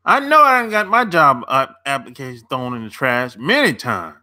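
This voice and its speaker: A man's voice: mid-range voice, very animated, normal speed, sharp tone. A man hosting a casual livestream, answering viewer comments in a laid-back, slangy way and laughing often between remarks. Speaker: dating coach and channel host.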